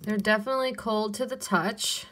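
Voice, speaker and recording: A young adult woman casually going through a bin of flea market jewelry, pricing each piece and muttering soft asides to herself. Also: medium pitch, steady tone. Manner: unhurried, softly muttering asides, cooing over pieces. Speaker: resale seller pricing jewelry. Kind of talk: casual hands-on haul video.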